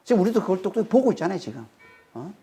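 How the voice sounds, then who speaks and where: A man from Korea preaching an expository sermon, emphatic and animated, repeatedly checking in with the congregation. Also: high-pitched, racing, creaky. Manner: emphatic, keeps asking the congregation "eh?"; animated, rises sharply when dramatizing. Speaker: pastor.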